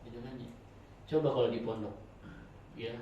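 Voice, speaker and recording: A man teaching a religious study circle in a chatty, joking sermon style, swinging between loud and soft. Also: medium pitch, normal speed, lo-fi sound, a little hiss or hum. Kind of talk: informal sermon. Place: prayer room. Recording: very echoey room, voice from far off.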